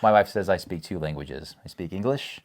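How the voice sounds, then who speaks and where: A man's voice: low-pitched, brisk. A man with an American accent chatting casually as a co-host, playfully joking and repeating his phrases. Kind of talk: casual chat.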